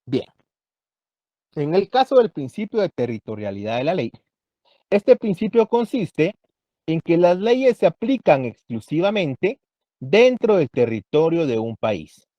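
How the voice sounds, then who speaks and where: A man teaching a university law class, explaining each point slowly and checking in with his students again and again. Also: fairly high pitch, very animated, no echo, highs cut off. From Guatemala. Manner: explanatory, checks understanding with frequent "¿verdad?". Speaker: law lecturer. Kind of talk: university lecture.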